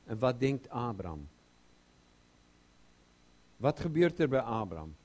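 A man preaching a sermon, slow and emphatic, rising loud and high when he quotes scripture. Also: big pitch swings.

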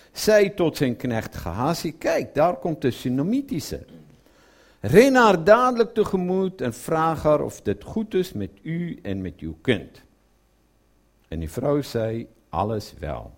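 A man preaching a sermon who retells a Bible story, drops to a low murmur for quoted lines and puts questions to his listeners.

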